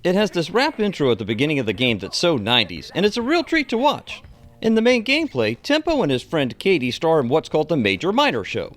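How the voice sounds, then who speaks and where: A man's voice: a little high, huge pitch swings, fast talker, fairly bright tone. A middle-aged man reading an enthusiastic scripted video game review as its presenter.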